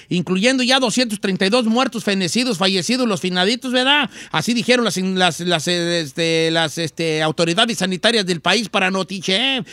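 A man's voice: sits high, fairly bright tone, dry recording, clean studio sound. A Mexican man hosting a comic news chat, joking in slang with many restarts. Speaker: news show host.

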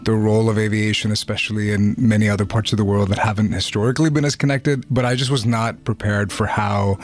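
A man from Pakistan, a reporter, explaining his findings in a measured way in a news interview. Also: fairly low pitch.

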